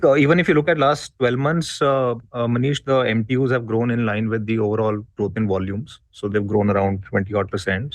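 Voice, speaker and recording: A man with an Indian accent answering as a company executive on an earnings call, explaining in a measured way. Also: on the low side, dry recording.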